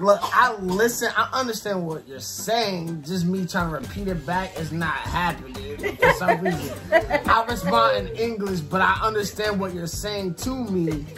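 Over clear music in the background, a raised, projected voice speaks at a fairly slow pace. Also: man, high pitch for a man. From United States. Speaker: friend learning Patois. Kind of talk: casual conversation. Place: home room. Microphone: studio mic.

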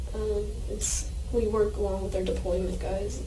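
A woman's words come at a moderate pace while noticeable noise runs in the background. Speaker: police officer. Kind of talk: police interview answer. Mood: subdued, informal. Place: meeting room. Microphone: camera far.

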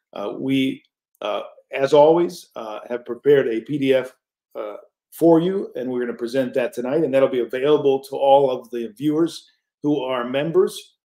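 A man's moderately paced speech with ordinary pitch variation and big swings in loudness, against a quiet background. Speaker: clergyman hosting a livestream. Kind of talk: lecture introduction. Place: home room. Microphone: studio mic.

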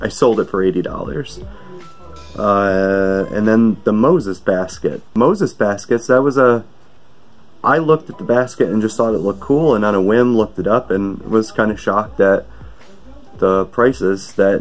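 Faint music plays in the background as a man speaks in a fairly low voice. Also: ordinary pitch variation, moderate pace. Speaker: reseller vlogger. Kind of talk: casual vlog chat. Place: kitchen.

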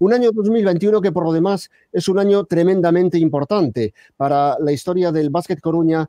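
The pace is fairly slow. The background is quiet. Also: man, dry sound with no echo. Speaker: radio show host. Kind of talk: radio sports show introduction. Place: studio. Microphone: studio mic.

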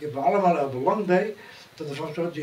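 Audible room echo surrounds a man with a fairly high pitch who talks at a moderate pace with ordinary pitch variation. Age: 70s. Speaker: homeopath. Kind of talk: casual interview. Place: home room. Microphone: camera far.

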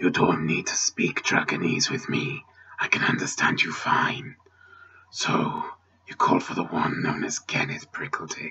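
A raspy man does a put-on character voice at a moderate pace. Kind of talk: comedy audio drama performance.

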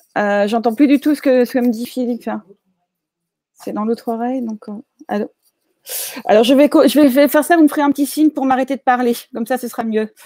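A dark, mellow voice moves at a fairly quick pace with long, frequent pauses and fairly even intonation, recorded dry with no echo against a quiet background. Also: woman, high pitch for a woman. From eastern Belgium. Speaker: film director; panelist. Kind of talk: panel discussion. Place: home room.

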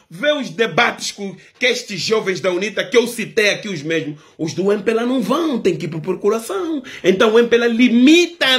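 This man's voice sits high in pitch, with lively intonation. He talks at a moderate pace. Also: hardly any pauses. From Angola. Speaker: civil society activist and video blogger. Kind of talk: political opinion monologue. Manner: halting, with frequent repetitions. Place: home room. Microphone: phone near.

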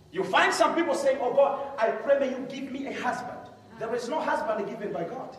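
A man's animated voice at a fairly quick pace, with audible room echo and light background noise. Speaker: preacher. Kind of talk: sermon. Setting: church. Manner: emphatic, repetitive call-and-response preaching; animated, rhetorical, keeps asking the audience for agreement. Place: church.

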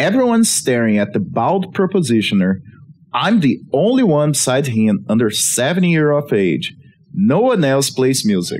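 Very wide pitch swings from a man's fairly high voice, held at very even loudness. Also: fairly slow pace. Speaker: YouTube narrator. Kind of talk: reading aloud.

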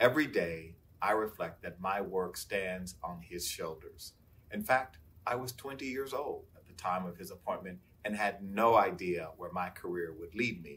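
His volume rises and falls in big swings. The man talks at a moderate pace. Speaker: foundation president hosting. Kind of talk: scripted introduction. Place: meeting room.

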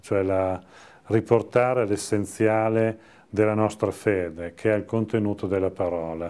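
Speaking at a fairly slow pace, a man uses a fairly low pitch and a dark, mellow tone. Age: 50s. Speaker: lay church worker; interviewee, speaker. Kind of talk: interview. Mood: calm, reflective. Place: studio. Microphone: lapel.

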